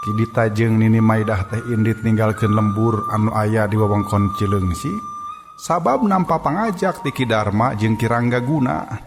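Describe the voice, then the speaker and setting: A man telling a traditional folk tale with steady, measured narration, recorded with long reverb and background music. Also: fairly low pitch. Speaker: storyteller. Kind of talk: traditional oral storytelling.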